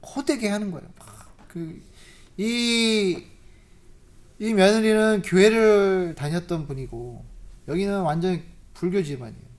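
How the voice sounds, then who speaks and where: A preacher delivers a sermon at a church service and tells a long story. The delivery is animated, with loud, emphatic peaks, hushed asides and frequent rhetorical questions to the congregation. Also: mid-range voice, a little slow.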